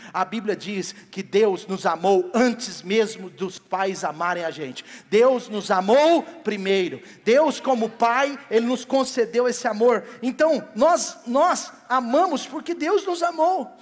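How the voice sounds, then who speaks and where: A male pastor preaching a sermon with a Brazilian accent, swinging from loud emphatic peaks to soft quiet lines, in a church hall. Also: high-pitched. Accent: Brazilian Portuguese. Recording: long church hall reverb.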